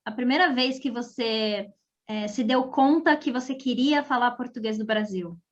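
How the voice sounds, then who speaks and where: A woman's voice: on the high side, moderate pace, dull audio. Brazilian woman hosting an interview. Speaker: host. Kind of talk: podcast interview.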